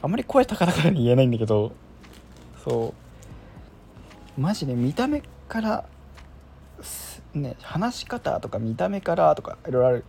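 A man chats alone on his show in a mellow, warm tone, rambling and poking fun at himself with plenty of fillers. His pitch swings up and down lively as he goes. A faint hiss sits under the home recording. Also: moderate pace, creaky, long pauses. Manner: rambling, self-deprecating, many fillers. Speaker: podcast host. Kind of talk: casual solo chat.

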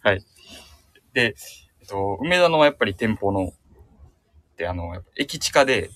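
Male guest, fairly low pitch, self-conscious rambling storyteller. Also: very animated, normal speed, fairly bright tone, dry recording. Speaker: radio show guest, shop staff member. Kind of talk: casual chat and anecdote telling. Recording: remote connection audio.

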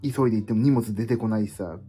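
A man's voice: fairly low pitch, quick pace, dark tone, slightly rough, faint music behind. A middle-aged man hosting a casual solo livestream, rambling and self-deprecating as he jumps between topics. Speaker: livestream host.

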